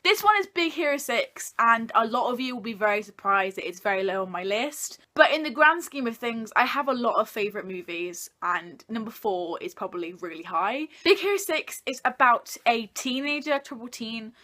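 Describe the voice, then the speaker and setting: A woman's voice: a little high, lively intonation, moderate pace, hardly any pauses, bright, forceful tone. A young woman talking casually and informally to her viewers like a video blogger, jokey and opinionated. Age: young adult. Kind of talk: casual chatty countdown review to camera.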